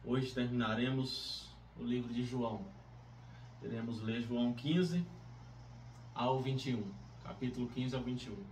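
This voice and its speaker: A man's voice: medium pitch, steady tone, a little slow, a little mellow. A man with a Brazilian accent speaking earnestly as he leads a devotional Bible reading. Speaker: Christian host of a daily Bible reading channel. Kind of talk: devotional introduction, prayer and Bible reading aloud. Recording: roomy, distant mic, faint background noise.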